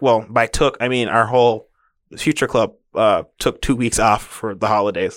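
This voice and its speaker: A loud man at a moderate pace with a bright, sharp tone, on a very clean recording with a silent background. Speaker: game developer and podcast co-host. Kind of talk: casual chat. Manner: loud, voice carries.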